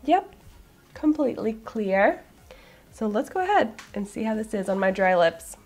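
A hoarse woman in her thirties, getting over a cold, chats to camera about makeup in a bubbly, candid way. Her voice sits a little high, and soft music plays faintly underneath. She sounds close to the camera in a small room. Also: very animated, normal speed. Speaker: beauty vlogger. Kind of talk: casual product review to camera. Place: small room in front of a floral backdrop.

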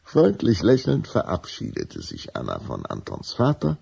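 A man narrating a children's vampire audio drama as a deliberate, suspenseful storyteller. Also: low voice, wildly swooping pitch, gravelly, mellow, husky, exaggerated voice.

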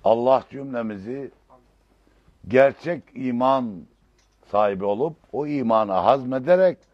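A man's voice: mid-range voice, measured pace. A man giving a religious lecture in an emphatic, rising and falling way, using learned, old-fashioned vocabulary. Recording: dull lo-fi recording.

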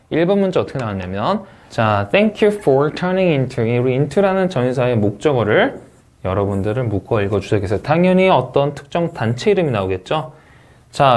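A man teaching a test-prep review lecture, talking in an emphatic, upbeat way and often punctuating points with quick interjections. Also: medium pitch. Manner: lively, emphatic teaching with frequent "자" and "오케이".

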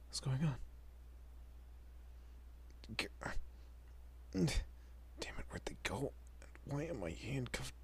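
A man playing a protective, easily bewildered young husband and father in an audio roleplay, with a husky, breathy, often whispering voice and halting, muttering delivery. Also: medium pitch, fairly bright tone, exaggerated voice. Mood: groggy, confused. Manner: halting, muttering, mild swearing.

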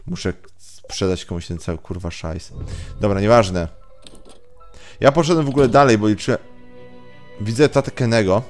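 A man's voice: fairly low pitch, moderate pace, long pauses. A man hosting a let's play with casual, muttering, sweary gameplay commentary, slipping into English at times. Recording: game music behind.

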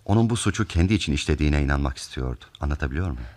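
An actor playing a calm, methodical detective who explains a case deliberately in a radio theatre mystery. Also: male voice, very deep voice. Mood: grave, reasoning.

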